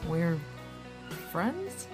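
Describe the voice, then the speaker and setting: An actress playing a wry, brisk law officer in naturalistic audio drama dialogue. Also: female voice, fairly low pitch, sing-song, music in the background, exaggerated voice. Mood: flustered. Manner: wry, teasing, conversational.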